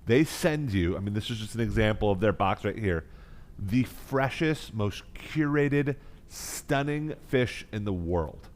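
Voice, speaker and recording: A man's voice: fairly low pitch, expressive, unhurried. An American man hosting a live online cooking class as chef instructor, speaking with effusive, emphatic enthusiasm. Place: kitchen.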